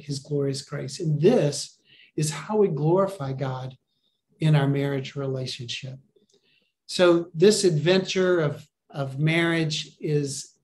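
Pastor, male, fairly high voice, earnest and encouraging, preaching on a webcam. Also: darkish tone, slight background noise. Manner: earnest, encouraging, asks the listeners questions. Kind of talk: sermon over a video call. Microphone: video call webcam.

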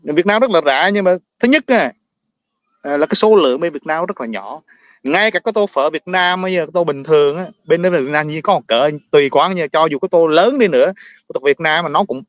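A Vietnamese man with a Southern Vietnamese accent rants casually and bluntly to his viewers, repeating words and laughing often. His voice is fairly high, with no echo and a lo-fi sound.

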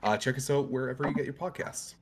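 A man's voice: mid-range voice, quick pace, slight background noise. A man on a headset, a guest chatting about his podcast and games. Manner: chatty, plugging his show. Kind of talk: casual chat.

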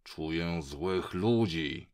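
A man voicing a sleepy male dog who growls his words slowly in an audiobook. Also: a little mellow, exaggerated voice. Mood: growling. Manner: slow low growl.

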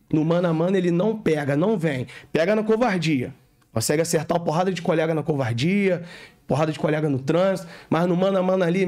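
A man's voice: high voice, darkish tone. A man with a Rio de Janeiro accent, a police corporal telling a story as a podcast guest in slangy street talk, with sound effects. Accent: Rio de Janeiro Portuguese. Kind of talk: casual storytelling.

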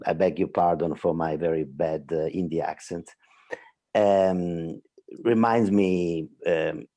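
A man's voice: low-pitched, warm tone, no echo. A man from Italy moderating a dialogue, hesitant and searching for words.

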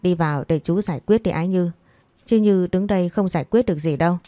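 A woman voicing a cheeky, pushy young man in his twenties who needles everyone in quick banter in a storybook. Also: on the low side, dark tone, no echo, close to an everyday voice. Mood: teasing. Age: 20s.

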